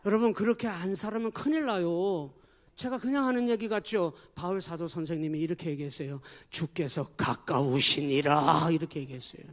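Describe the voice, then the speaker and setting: A man's voice: high voice, animated, a little fast, darkish tone. A man preaching a sermon as pastor, emphatic and forever addressing the congregation. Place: church.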